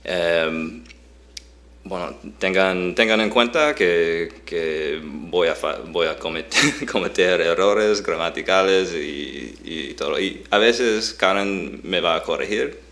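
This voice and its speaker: A man's voice: low voice, slow, a bit bright. A young man whose first language is English, speaking Spanish hesitantly with many restarts and fillers while co-hosting a podcast. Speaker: podcast co-host. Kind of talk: casual chat. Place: Boston.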